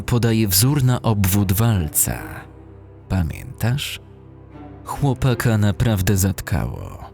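A man narrating a scripted first-person horror story in a dramatic, measured way, recorded in a studio. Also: on the low side, vocal fry. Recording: music behind the voice. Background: music.

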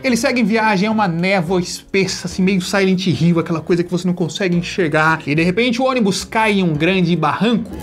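A man's voice: sits high, brisk, hardly any pauses, over music. A man with a Brazilian accent recapping an anime in an exasperated, sarcastic way, acting out the characters' lines. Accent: Brazilian Portuguese. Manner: exasperated, sarcastic storytelling with acted-out quotes. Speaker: anime review host.

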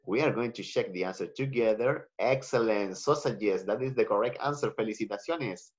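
A Chilean man teaching English over a video call, his voice a little husky. He is patient, mixes Spanish with English and repeats himself often. The call audio is muffled and lo-fi. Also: on the low side, moderate pace. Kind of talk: online class teaching. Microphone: computer mic on a video call.

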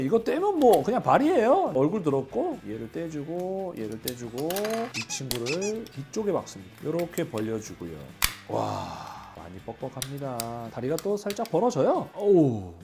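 A young man gives a casual toy review in a fairly high, very lively voice, chatty and playful. Now and then he bursts into shouts of robot names. Faint music plays underneath. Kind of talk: casual toy unboxing commentary.

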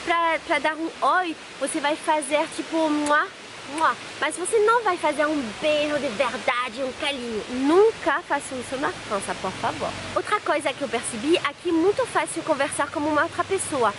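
High-voiced French woman by a waterfall. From France. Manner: animated, lots of hand gestures, searches for words. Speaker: vlogger. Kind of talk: casual talk to camera. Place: outdoors in a forest by a waterfall. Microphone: camera close up at a table. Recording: outdoor waterfall noise. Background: rushing waterfall.

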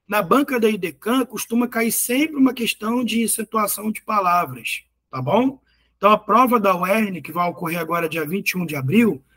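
A male teacher working through exam questions, slowly spelling out syllables and often asking "ok?" to check understanding. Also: high voice, a bit bright. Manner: patient, repeats words and syllables, frequent "ok?" checks.

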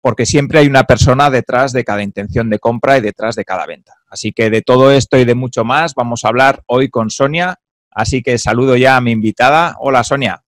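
A man in his thirties hosts an interview, friendly and clear in his phrasing. The sound is dry and close, with little room echo. He is on a webcam video call. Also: medium pitch, fairly quick. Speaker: podcast host. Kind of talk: interview host, scripted intro then conversation.

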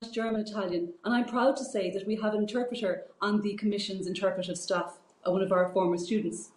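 A woman's voice: mid-range voice, darkish tone. A middle-aged woman with an Irish accent gives an earnest, formal prepared political speech over a video call. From Ireland. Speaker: regional representative and teacher. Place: indoor office, on a video call. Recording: echoey room over video-call link.

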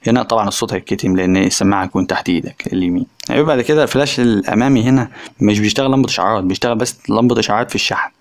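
A man's voice: fairly low pitch, rapid-fire. A man with an Egyptian accent giving a casual, chatty phone review voice-over, speaking directly to viewers. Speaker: tech reviewer.

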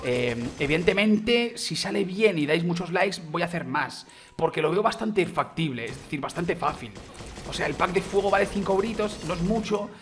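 A man's voice: high-pitched, normal speed, soft background music. A man with a Spain Spanish accent, gushing and swearing casually while giving let's play commentary as a gaming YouTuber. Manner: excitable, gushing, peppered with mild swearing and filler.

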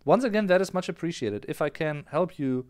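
A German man in his thirties talks through lyrics in an animated, casual way, his pitch rising and falling widely. His voice is smooth and clear. It is recorded dry and close on a headset in a small room. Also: a little fast, no room sound. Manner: animated, gesturing with his hands. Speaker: music reaction streamer. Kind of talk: casual explanatory chat.

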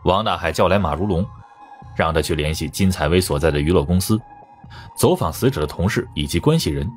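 A man's voice: sits low, expressive, fairly quick. A man reading a first-person crime novel as scripted narration. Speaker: audiobook narrator. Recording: music under the voice. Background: background music.

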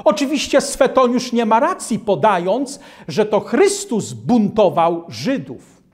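An older man preaching a studio sermon at a lectern, reading Bible verses aloud in a measured way. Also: high voice, very animated.

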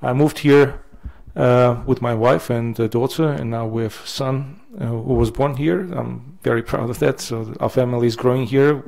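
A man's voice: medium pitch, fairly even intonation, normal speed, creaky, few pauses, darkish tone. A middle-aged man from Russia, introducing himself on a panel in a lecture hall.

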